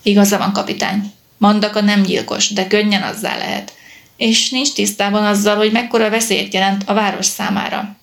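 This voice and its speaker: A woman reading the lines of a steady male police captain in an audiobook. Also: mid-range voice, creaky, natural voice.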